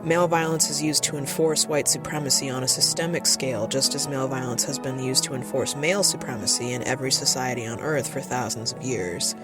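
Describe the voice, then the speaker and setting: Female presenter, scripted political commentary, measured emphatic delivery, music bed behind. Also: rumbling low. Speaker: radio presenter.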